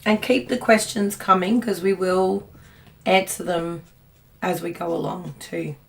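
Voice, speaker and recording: A hoarse woman chats on a craft livestream, reading out viewer comments between laughs. Her voice sits low and gravelly, and she sounds a little far from the mic. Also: steady tone, unhurried, noisy background. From Australia. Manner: chatty, reads viewer comments aloud, laughs often. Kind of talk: casual livestream chat.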